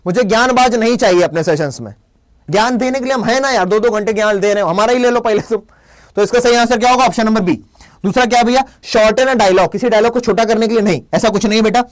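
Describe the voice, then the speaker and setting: A man's voice: high-pitched, quick pace. A young man with a Hindi accent teaching a live online English class, playful and scolding his chat commenters. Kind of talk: live class with quiz questions.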